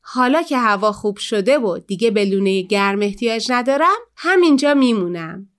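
A woman gives voice to a lonely storybook cat who lights up with sudden hope. The voice sits high and swings widely with eager exclamations. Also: lively intonation, fairly bright tone. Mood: gentle.

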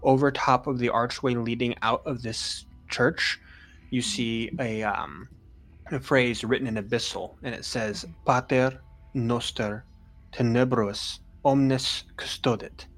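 A man's voice: medium pitch, steady tone, measured pace, a bit bright, faint music behind. A man running a tabletop game as game master, describing the scene in a loose, filler-heavy way.

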